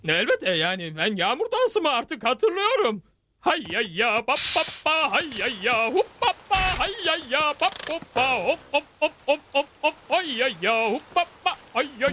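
A man voicing an excitable, scatterbrained tribal rain dancer in a dubbed cartoon, easily flustered. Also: very high-pitched, normal speed. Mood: excited. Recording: music behind the voice.

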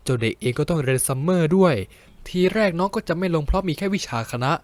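Young guy reading a novel aloud, first person, bouncy animated voice, kinda high, dry close mic. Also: fast, dry recording. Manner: lively storytelling, wry asides. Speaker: audiobook narrator.

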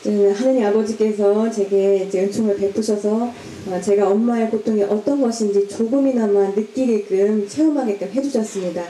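A woman's voice: mid-range voice, fairly even intonation, moderate pace, hardly any pauses, dark tone, slight background noise. A woman giving consecutive interpretation of a priest's homily in a church, phrase by phrase. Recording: echoey church hall.

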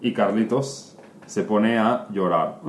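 Teacher guy, super slow storytelling for learners, animated, echoey room, faint hiss. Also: mid-range voice. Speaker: Spanish teacher. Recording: roomy room, faint noise.

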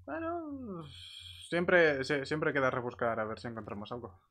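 A man's voice: mid-range voice, wildly swooping pitch, normal speed, a bit bright. A man speaking in a hesitant, stammering way, improvising in-character chat during a roleplay game. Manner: hesitant, stammering, repeats words. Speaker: player in online roleplay group.

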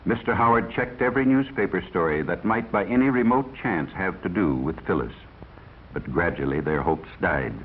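Low husky 1950s American male narrator. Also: lively intonation, normal speed. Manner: grave, moralizing. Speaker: narrator and presenter. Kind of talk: 1950s educational film narration. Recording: husky, lo-fi 1950s film soundtrack.

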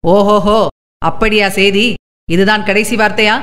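A menacing older landlord villain, sneering and bossing his henchman around, as a woman narrator reads him. The voice stays at her ordinary mid pitch, with a long trailing reverb behind it. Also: steady tone, brisk, fairly bright tone, natural voice. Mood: mocking. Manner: sneering, mocking, commanding.

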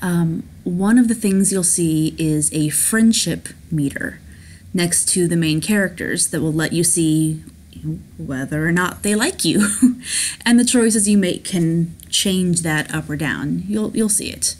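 A woman's voice: fairly low pitch, measured pace, a little mellow. A woman chatting her way through a story game at home, reading the text aloud and gushing about it. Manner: chatty, enthusiastic, giggly, with restarts. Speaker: let's play host. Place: home, at a laptop.

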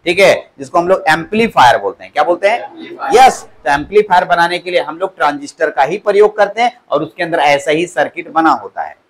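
A man's voice: a little high, expressive, fairly quick, a little hiss or hum. A male polytechnic teacher giving a classroom lecture, repeating key words back to his students as questions. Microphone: clip-on mic at the waist.

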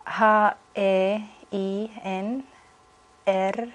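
Slow-speaking woman from Estonia. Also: mid-range voice, level tone. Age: 20s. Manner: hesitant, with fillers. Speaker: exam candidate. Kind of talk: spoken language exam answers. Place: indoor room.

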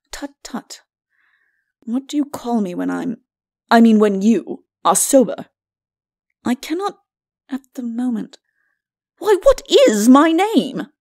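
A woman voicing a pompous, aching skeleton lord, a muddled old drunk with a rough voice and indignant bluster. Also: a little high, darkish tone, no room sound, clean studio sound.

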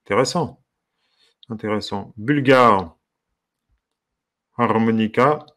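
Speaking in a lowish voice and taking his time, this man teaches harmonica. He muses aloud while browsing, dropping soft exclamations in a curious, amused, casual way.

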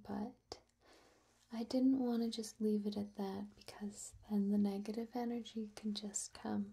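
A young woman playing a gentle, attentive potion maker in a soft-spoken, breathy, slow and reassuring ASMR roleplay, close to the microphone. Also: mid-range voice, full character voice. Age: young adult. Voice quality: breathy, whispery.

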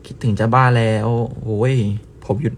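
A man's voice: medium pitch, fairly even intonation, moderate pace, a little hiss or hum. A young man chatting casually with viewers on a phone livestream, playful and repetitive, dropping in bits of other languages. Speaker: livestream host. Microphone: phone held close.

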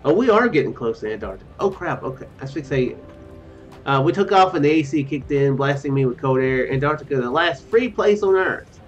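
Lively higher-pitched man reading a game aloud. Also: brisk. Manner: musing, self-correcting asides. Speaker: video game streamer. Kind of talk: let's play, reading game text aloud with off-the-cuff commentary. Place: small room at home, indoors. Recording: dull lo-fi mic, music behind. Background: game music.

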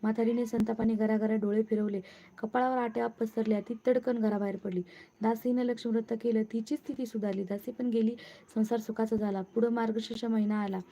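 Woman reading a devotional tale, flat. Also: on the high side, brisk. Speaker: storyteller. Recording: muffled lo-fi recording.

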